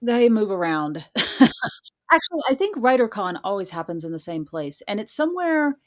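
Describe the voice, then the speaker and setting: A woman's voice: medium pitch, very animated, normal speed. A woman speaking casually as a guest writer in an interview.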